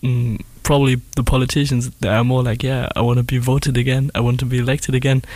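A man talks at a fairly quick pace in a medium pitch. His voice is somewhat breathy, with monotone, flat intonation. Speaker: student. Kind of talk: casual chat. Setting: studio.

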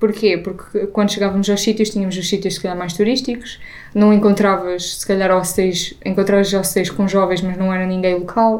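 Speech at a fairly quick pace with hardly any pauses and monotone, flat intonation comes through noticeable background noise and audible room echo. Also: woman, medium pitch for a woman. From Portugal. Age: 20s. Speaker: traveller. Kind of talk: casual chat.

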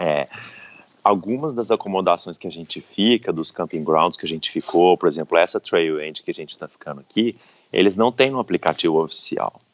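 Speaking at a fairly quick pace, a man's loudness swings widely. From Brazil, Minas Gerais (Barbacena). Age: 20s. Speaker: long-distance hiker. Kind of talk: casual interview. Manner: hesitant, many fillers.

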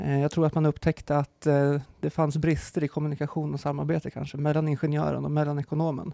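The man talks at a fairly quick pace, his sound dry and close with no echo. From Sweden, Örebro. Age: 40s. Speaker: engineer. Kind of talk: interview conversation.

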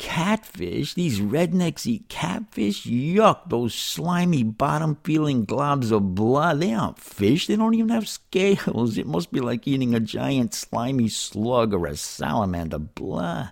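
A man puts on a whiny character voice in a New York accent, at a medium pitch with very wide pitch swings. He talks at a fairly slow pace with hardly any pauses. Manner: whining, disgusted.

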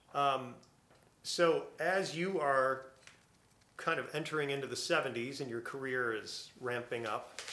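A man speaks in a fairly high pitch at a fairly slow pace, with ordinary pitch variation. There are long, frequent pauses, and room echo is audible. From US, Buffalo, New York. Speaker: podcast host. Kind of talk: interview. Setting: studio.

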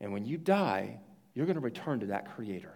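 Very wide pitch swings mark this man's animated delivery at a medium pitch. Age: 40s. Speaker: pastor. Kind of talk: sermon.

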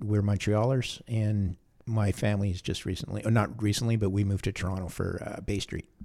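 A man speaks in a fairly low pitch with a Canadian accent. His dark, mellow tone stays monotone and flat at a moderate pace. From Canada. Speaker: finance veteran, credit trader. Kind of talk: casual interview chat. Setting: remote call. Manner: halting with many fillers.

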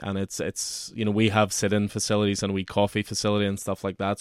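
A man with a Northern Irish accent, fairly low pitch and very fast pace, in a dry, close sound with no echo on a very clean recording with a silent background. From Northern Ireland, Belfast. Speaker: podcast host, comic shop owner. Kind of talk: casual interview.

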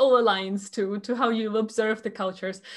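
Her voice is fairly high and somewhat breathy. The woman is heard over a quiet background. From Ukraine. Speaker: podcast host. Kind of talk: interview conversation.

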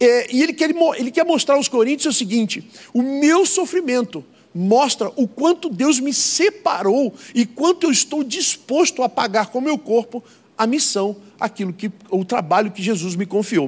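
An extremely high-pitched man at a moderate pace, with very wide pitch swings. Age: 50s. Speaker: missionary pastor. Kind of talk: sermon. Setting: church. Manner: halting.

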